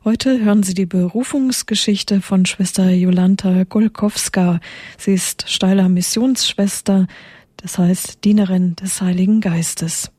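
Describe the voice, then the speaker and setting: A woman hosting a religious radio program, reading a formal and measured introduction before welcoming her guest. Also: medium pitch, fairly even intonation, warm tone, no room sound, clean studio sound. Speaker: radio host.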